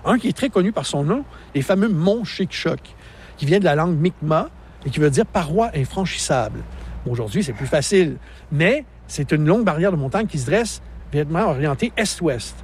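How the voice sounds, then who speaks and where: A man's voice: fairly high pitch, animated, brisk, a little mellow, husky. Man in his sixties explaining nature. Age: 60s. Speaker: park naturalist guide. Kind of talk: outdoor radio interview.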